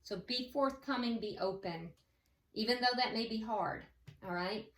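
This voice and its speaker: A woman giving a tarot reading like a fortune teller, thinking aloud haltingly and advising the listener directly. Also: a little high, fairly bright tone. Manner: hesitant, thinking aloud as cards are read. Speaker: tarot reader. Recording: roomy echo, distant from the mic.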